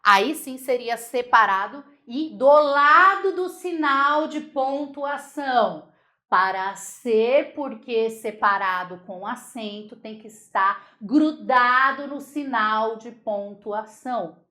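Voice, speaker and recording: A Brazilian woman with a bright, high-pitched voice leads a grammar class for exam candidates. She talks in a lively, chatty way and keeps checking that her students are following along. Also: takes it slowly. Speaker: Portuguese grammar teacher. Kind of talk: exam-prep grammar lesson.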